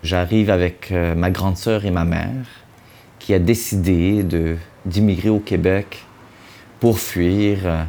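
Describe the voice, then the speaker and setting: A man in his forties, born in Hungary and with Hungarian as his first language, calmly recounts his arrival in an interview. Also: low voice, slow pace. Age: 40s. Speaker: author.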